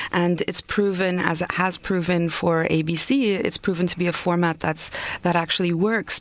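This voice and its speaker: Amid noticeable background noise, a woman with a fairly low pitch speaks at a moderate pace with fairly even intonation. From Yemen. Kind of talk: radio interview, conversational.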